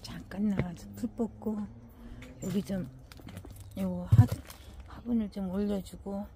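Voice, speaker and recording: A woman's voice: mid-range voice, fairly even intonation, measured pace, noisy background. An older woman talking casually in her home garden, sighing and murmuring to her plants as she tends them. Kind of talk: casual gardening vlog talk.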